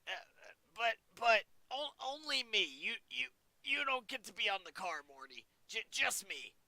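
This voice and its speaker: A man's voice: very high-pitched, animated, a little slow, vocal fry, bright, forceful tone, no echo, pitched above the performer's own voice, heavily acted, rough recording. A man doing a strained, stammering impression of a manic old male cartoon scientist.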